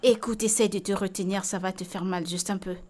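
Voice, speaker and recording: A woman's voice: medium pitch, fairly even intonation, a little fast, darkish tone, soft background music, lightly acted. A woman dubbing a film role: an outspoken, caring woman who talks bluntly and repeats herself insistently. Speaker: Vicky, friend tending a beaten woman. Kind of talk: French film dub.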